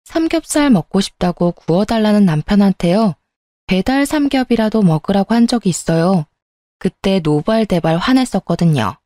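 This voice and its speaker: A woman narrates a scripted first-person story in a confiding, plain manner. Her voice is mellow and warm at a medium pitch. The recording is dry and close. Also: expressive, normal speed, no room sound.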